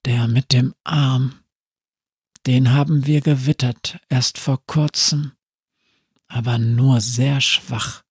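Storybook cave creature read by a man, measured and slow, guarded. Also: medium pitch, steady tone, slightly rough, no echo, clean studio sound, exaggerated voice. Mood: wary. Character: proud, wary creature of the caves.

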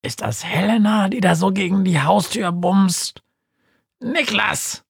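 A man's voice: high-pitched, slow pace, creaky, husky, dry recording, studio quality, voice pushed up, heavily acted. A man voicing a grumpy, armless little flying house ghost who calls out bossily, in an audiobook. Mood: harried. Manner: harried, bossy calling out. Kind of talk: audiobook character voice.

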